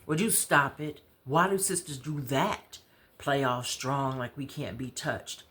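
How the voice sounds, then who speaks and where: A woman's voice: very deep voice, unhurried, pushed and bright, heavily acted. Woman acting out a blunt, protective American girlfriend. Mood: exasperated. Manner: blunt, slangy, emphatic. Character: outspoken, protective woman friend, sassy and caring.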